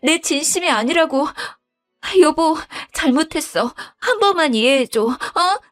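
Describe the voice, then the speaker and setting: A woman's voice: sits high, lively intonation, a little slow, soft background music, voice pushed up. A woman doing a whiny scheming young wife. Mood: pleading. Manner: whiny, begging, stammering. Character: pleading scheming young wife, daughter-in-law.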